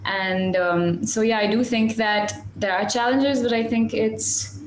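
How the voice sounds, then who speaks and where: With a fairly high voice, fairly even intonation and a measured pace, a young singer-songwriter chats on a webcam video call from a small room at home. She's self-deprecating and casual, full of restarts and fillers, and the poor audio is echoey with a little hiss or hum.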